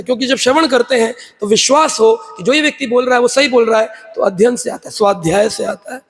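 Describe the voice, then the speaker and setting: A man delivers a devotional sermon with a strikingly high voice. He speaks emphatically, throws rhetorical questions at his listeners, and breaks into sung verses and loud chanting. His voice rings with the long reverb of a large temple hall. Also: vocal fry. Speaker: preacher.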